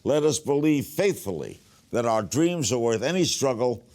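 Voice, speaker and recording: Male reader, medium pitch, very lively intonation, earnest rallying delivery. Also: moderate pace. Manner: earnest, exhorting. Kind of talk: scripted motivational reading.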